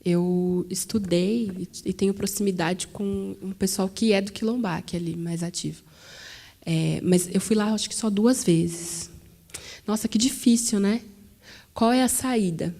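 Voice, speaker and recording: São woman panelist, warm, mellow tone, conversational, tags questions, acts out quotes. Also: medium pitch. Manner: conversational, frequent tag questions, animated quoting. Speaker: panelist at a teachers' talk. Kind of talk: public talk answering questions. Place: museum auditorium.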